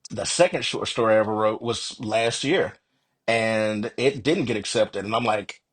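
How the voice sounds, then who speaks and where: A man's voice: lowish voice, moderate pace, breathy edge. A man speaking as an author guest on a podcast, talking casually in an upbeat, self-deprecating way. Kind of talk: casual conversational interview.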